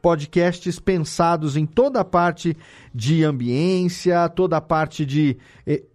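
A man's voice: a little high, slow pace, a little mellow, soft background music. A Brazilian man hosting a conversational podcast interview, speaking in an emphatic, colloquial way. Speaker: podcast host.

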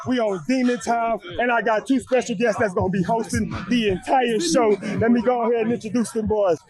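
A man hosting a podcast outdoors at a homecoming event. He talks in a loud, hyped way and keeps jumping in on the others. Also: extremely high pitch, brisk. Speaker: podcast host. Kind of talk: casual homecoming chat.

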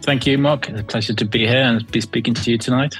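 A man from Sweden, a guest architect talking reflectively in an interview, sometimes pausing to find words. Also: mid-range voice, steady tone, a bit bright, faint music behind. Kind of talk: casual interview talk.

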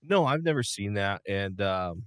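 A man co-hosting a sports talk show, giving animated opinions in casual chat with plenty of fillers and restarts. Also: fairly low pitch, a little slow, smooth, no echo.

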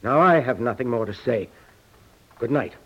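A man's voice: mid-range voice, animated, moderate pace, breathy edge. An actor playing a firm, formal American advertising man pressing a deal in a 1950s radio drama. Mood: stiff, insistent. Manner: formal, insistent. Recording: dull 1950s radio recording.

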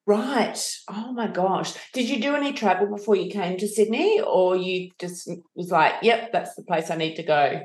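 A woman, a business coach, hosting a podcast and introducing her guest with an upbeat, animated manner. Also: mid-range voice, moderate pace, hardly any pauses. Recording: roomy with music behind.

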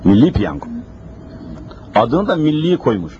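A man's voice: mid-range voice, very animated, unhurried, a little mellow. A man preaching a sermon at a pulpit microphone, emphatic and full of repeated rhetorical questions. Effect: speaking at a pulpit microphone. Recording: dull lo-fi recording with faint hiss.

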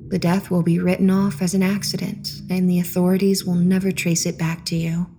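A man voicing a mysterious, seductive woman who speaks slowly and softly with calm authority. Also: high voice, slight background noise, voice pushed up. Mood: soothing. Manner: slow, soft, coaxing delivery.

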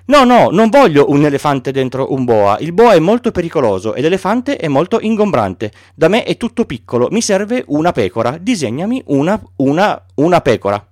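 A man's voice: fairly high pitch, sing-song, moderate pace, hardly any pauses, no echo, studio quality. A man voicing a curious, earnest little boy prince who asks innocent, insistent questions.

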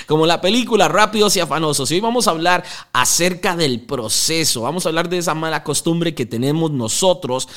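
An energetic young man with a Costa Rican accent hosts a casual podcast. His voice sits a touch high for a man, and he talks in a restless, upbeat way, laughing at his own jokes. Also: normal speed. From Costa Rica. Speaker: podcast host.

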